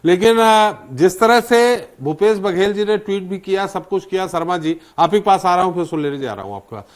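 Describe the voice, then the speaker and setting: A man anchoring a TV panel debate, briskly moderating and cutting in to keep time. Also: high-pitched, expressive.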